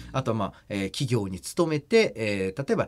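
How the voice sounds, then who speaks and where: The speaker is a man with a medium pitch. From Tokyo, Japan. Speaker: economist. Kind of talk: radio interview. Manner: soft-spoken.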